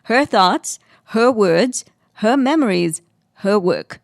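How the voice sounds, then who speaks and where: A woman's voice: medium pitch, expressive, takes it slowly, vocal fry, dry recording, clean studio sound. A woman, hosting and interviewing in a radio presenter's style. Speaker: radio host and podcast interviewer. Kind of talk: scripted narration and interview.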